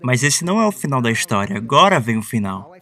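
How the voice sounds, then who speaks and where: A man preaching a sermon, telling a story in a lively way and giving voice to the people in it. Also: mid-range voice, quick pace, far from the mic. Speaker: pastor.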